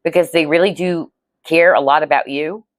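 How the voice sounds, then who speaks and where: A woman's voice: low voice, fairly even intonation, moderate pace, no echo. A woman giving a casual tarot reading to viewers, chatty and reassuring, often checking in with "okay?". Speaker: tarot reader.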